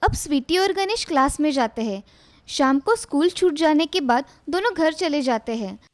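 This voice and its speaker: A woman narrating a moral cartoon story in a plain, steady storybook manner. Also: sits high, normal speed.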